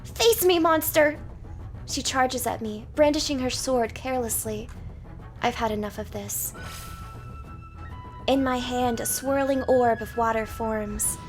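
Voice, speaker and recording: A woman's voice: a little high, steady tone, unhurried, faint music behind. A woman hosting a let's play, introducing and narrating a story game. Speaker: gaming channel host.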